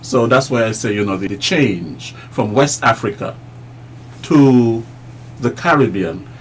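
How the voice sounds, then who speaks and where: A man's voice: medium pitch, animated, unhurried, slight background noise. A man interviewing guests, chatty and explanatory, repeating words while he searches for them.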